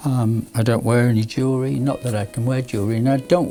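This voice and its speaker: Medium-pitched man with a northern English accent and ordinary pitch variation over noticeable background noise. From northern England, Lake District. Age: 70s. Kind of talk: personal life story monologue. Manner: hesitant, many fillers.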